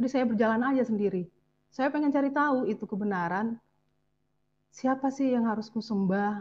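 A woman talks at a fairly high pitch with very even loudness. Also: ordinary pitch variation, fairly quick pace. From Indonesia, ethnic Malay. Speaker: religious convert giving testimony. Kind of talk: testimony. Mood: emotional, earnest. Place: home room. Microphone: earbuds.

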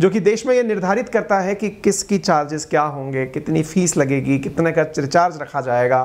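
Lively intonation marks this man's fairly slow delivery. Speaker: current affairs educator. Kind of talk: lecture. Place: studio. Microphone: lapel.

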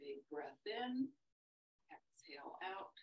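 A woman's high voice with very wide pitch swings, a very slow pace, and audible room echo. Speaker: yoga instructor. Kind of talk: live online yoga class, cueing breath and poses in real time. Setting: video call. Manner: encouraging, upbeat cueing with light laughter; rhythmic, imperative step-by-step instructions. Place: home room. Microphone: camera far.

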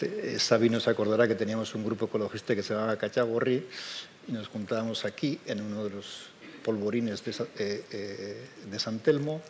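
A man in a normal speaking voice talks at a medium pitch and moderate pace over light background noise. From Basque Country, San Sebastián. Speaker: international criminal investigator. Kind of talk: public talk. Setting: stage with audience. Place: hall. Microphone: headset.

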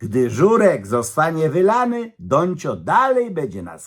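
His pitch swings very widely. The man talks very slowly. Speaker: commentator. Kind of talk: spoken commentary.

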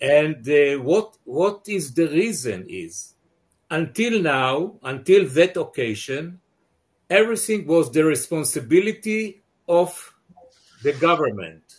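A man speaks at a very slow pace in a fairly high pitch. His pitch swings very widely. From Israel. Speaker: panelist, former local government official; panelist. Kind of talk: panel discussion. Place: office. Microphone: video call.

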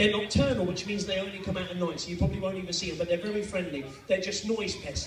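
Over noticeable background noise, a man with a high pitch speaks at a very fast pace. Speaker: tribute comedian. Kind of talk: stand-up comedy routine. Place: stage.

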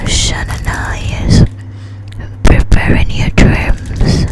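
A woman speaks in a whisper. She goes at a very slow pace. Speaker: ASMR creator. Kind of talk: ASMR whisper with mouth sounds and trigger words.

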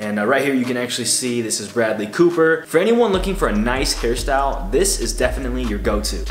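A man's voice in audible room echo, with light background noise. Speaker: hair style vlogger. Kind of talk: casual vlog chat. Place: studio.

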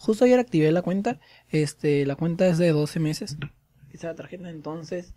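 Recorded with a dry sound, no echo and a quiet background, a man speaks at a moderate pace. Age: 20s. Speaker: gaming YouTuber; gaming vlogger. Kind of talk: casual vlog. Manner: rambling with many fillers. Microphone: studio mic.

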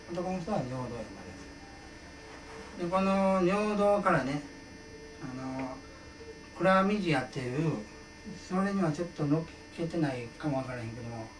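Lively intonation at a fairly slow pace, broken by long, frequent pauses, with light background noise. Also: man, fairly high pitch for a man. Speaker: qigong instructor. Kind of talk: lecture. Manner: casual, explanatory. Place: home room. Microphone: camera far.

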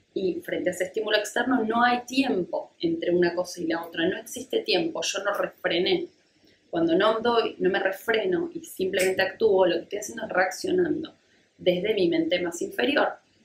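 A woman's fairly high voice with very wide pitch swings at a moderate pace, plus audible room echo. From Argentina. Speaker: ayurveda doctor. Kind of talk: educational talk. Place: home room. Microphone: camera far.

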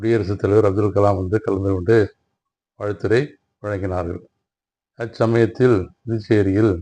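Over a quiet background, a man speaks with a dark, mellow tone and monotone, flat intonation. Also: fairly low pitch for a man. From Puducherry, India. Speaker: retired electrical engineer and author. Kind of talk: interview. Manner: halting.

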